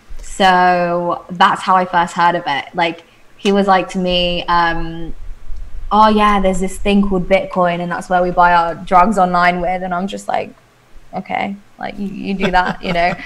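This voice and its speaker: Speaking in a British accent at a fairly slow pace, a woman keeps a medium pitch and a monotone, flat intonation. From London, England. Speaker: crypto journalist. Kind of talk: interview.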